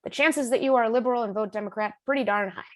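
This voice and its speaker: Higher-pitched woman telling stories conversationally. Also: racing, dry recording. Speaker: author being interviewed. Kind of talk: conversational storytelling in a public talk.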